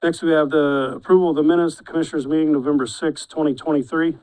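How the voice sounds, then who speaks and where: A man's voice: a little high, fairly even intonation, a little mellow, smooth, poor audio. A man chairing a county commissioners' meeting, reading agenda items and restarting his sentences often. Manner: halting, repeats words when restarting. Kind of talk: formal meeting procedure.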